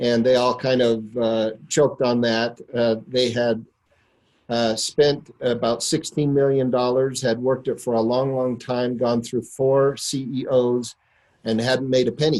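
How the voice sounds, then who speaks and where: Using monotone, flat intonation, a man with an American accent talks at a medium pitch and a fairly slow pace. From US Northeast, near New York City. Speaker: company founder's son telling the founding story. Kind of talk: storytelling on a conference call. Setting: conference call. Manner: frequent fillers (uh, um).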